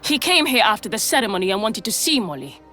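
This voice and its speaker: A worldly brothel madam for a video game. She is mid-pitched, wry and theatrical, coaxing yet protective, with soft music underneath. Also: very animated, fast. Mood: gossipy. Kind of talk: scripted game dialogue.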